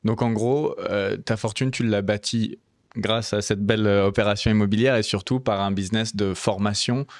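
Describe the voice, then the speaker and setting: A man's voice: lowish voice, steady tone, moderate pace, no room sound, studio quality. A man hosting an interview, summing up the guest's story and adding short agreeing replies. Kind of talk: interview questions and recaps.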